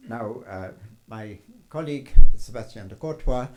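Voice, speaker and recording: Older male academic, hesitant conference lecturer, frequent pauses and fillers. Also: on the low side, expressive, darkish tone. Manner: hesitant, many ums and uhs. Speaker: scholar giving a conference talk.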